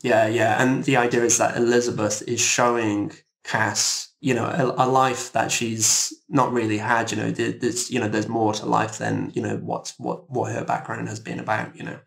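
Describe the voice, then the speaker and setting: A man speaking casually as an interview guest, thoughtful and halting, pausing often as he explains his composing work. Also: medium pitch, level tone, gravelly, a bit bright.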